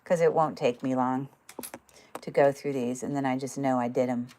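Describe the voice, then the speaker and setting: A woman's voice: very deep voice, fairly even intonation, moderate pace, slight background noise. A woman selling jewelry on a livestream, chatting casually with lots of fillers while she handles each pair. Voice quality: describes own voice as loud. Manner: chatty, many fillers, thinks aloud while handling items. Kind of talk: casual livestream sales chat.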